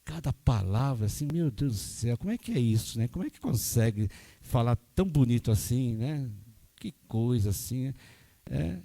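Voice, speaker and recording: A man's voice: mid-range voice, lively intonation, moderate pace, creaky, warm tone. A man, preaching a sermon in a folksy way that keeps checking in with the congregation. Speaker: pastor.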